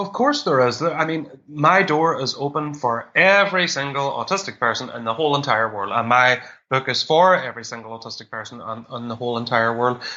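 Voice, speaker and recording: A man with a Derry accent at medium pitch, lively intonation, a fairly quick pace and hardly any pauses. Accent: Northern Irish (Derry). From Northern Ireland, Derry. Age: 20s. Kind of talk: interview.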